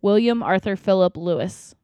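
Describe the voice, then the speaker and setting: A young woman from the Philadelphia area co-hosting a podcast, chatting quickly and reacting with animated disbelief. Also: mid-range voice, clear, resonant tone, no echo, lo-fi sound. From Philadelphia area, USA. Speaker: podcast co-host. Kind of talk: casual chat.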